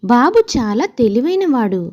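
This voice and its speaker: High, lively woman storyteller. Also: moderate pace, dull audio. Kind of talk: scripted moral-story narration.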